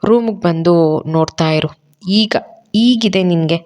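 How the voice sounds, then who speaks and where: A woman's voice: lowish voice, slow pace, darkish tone. A woman voicing a scheming young woman who puts on a theatrical, wheedling act in a storybook audio drama.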